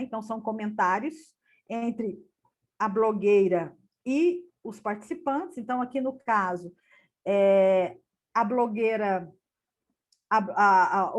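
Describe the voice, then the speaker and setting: A woman giving an academic lecture over a video call, halting and repeating words often as she explains. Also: a little high. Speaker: conference lecturer.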